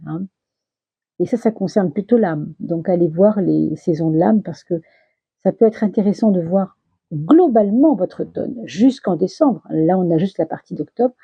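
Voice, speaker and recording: A woman's voice: mid-range voice, creaky, dark tone, slightly rough, no echo, lo-fi sound. A woman giving a casual monthly tarot reading, hesitant with many fillers and restarts, her voice getting worn and throaty. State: losing her voice, clears throat. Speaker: tarot reader.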